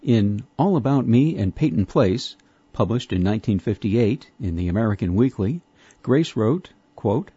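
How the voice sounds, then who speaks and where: A man reads an article aloud in a measured, formal manner with steady phrasing. His voice sounds dark and slightly husky. The recording is dry, dull and lo-fi. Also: lowish voice, no room sound. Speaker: reader of a magazine article. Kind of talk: scripted narration.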